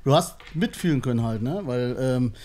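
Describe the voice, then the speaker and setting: A man's voice: medium pitch, expressive, moderate pace, warm tone. A man from southern Thuringia with a slight East German accent, a comedian guest joking and laughing often in casual podcast chat in a small studio. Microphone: desk mic with headphones.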